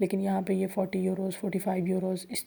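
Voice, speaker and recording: Her voice has a dark, mellow tone at a medium pitch for a woman. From Pakistan. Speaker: vlogger. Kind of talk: casual vlog talk.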